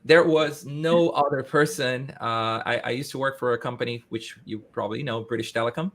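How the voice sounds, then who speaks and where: A man in his thirties hosts a relaxed interview in English. He talks with lively energy and often restarts his sentences. His pitch sits in a middle range. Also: brisk. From Brazil. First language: Portuguese. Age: 30s. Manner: animated, many restarts. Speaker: host. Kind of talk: casual interview chat.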